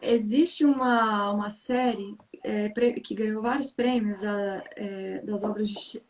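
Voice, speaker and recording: A woman's voice: medium pitch, measured pace, a little hiss or hum. A Brazilian woman hosting a casual chat, telling stories animatedly. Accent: Brazilian Portuguese. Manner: animated storyteller, frequent tag questions. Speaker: host.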